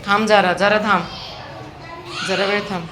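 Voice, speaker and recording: A woman's voice: medium pitch, steady tone, unhurried. A woman walking her dog and feeding street dogs at night, coaxing and scolding the dog and raising her voice to call it. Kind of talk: casual vlog narration while walking a dog. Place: apartment building and street at night. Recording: street noise behind.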